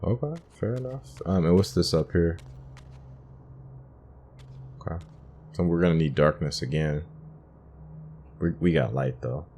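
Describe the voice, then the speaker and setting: A man with an extremely low, bass voice talks through a video game. He muses aloud in a casual, unscripted way. There is faint but noticeable noise behind him. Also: unhurried, pauses often, a little mellow. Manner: musing, thinking aloud. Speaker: gamer hosting a playthrough.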